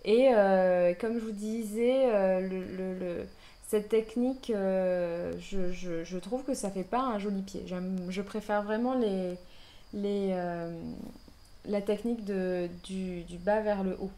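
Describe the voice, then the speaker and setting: A woman's voice: mid-range voice, fairly even intonation, slow, mellow. A woman hosting a knitting podcast, talking casually with lots of fillers and restarts. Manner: hesitant, many fillers and restarts. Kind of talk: casual chat.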